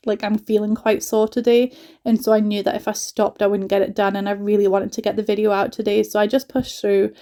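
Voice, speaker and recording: A woman from northeast England with a soft mixed Geordie and Scottish accent, chatting casually through a home vlog voiceover with lots of "like" asides. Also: medium pitch. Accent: soft mix of Geordie and Scottish. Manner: chatty, rambling, frequent "like" asides. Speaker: home vlogger and mother.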